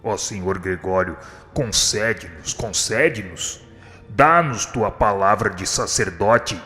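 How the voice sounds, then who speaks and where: Man as deep-voiced, beseeching spirit guide. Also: slow, sharp tone. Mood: earnest pleading. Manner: formal, earnest, beseeching. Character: kindly, humble male spiritual instructor pleading for mercy. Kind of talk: radio drama acting. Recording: long reverb, music underneath.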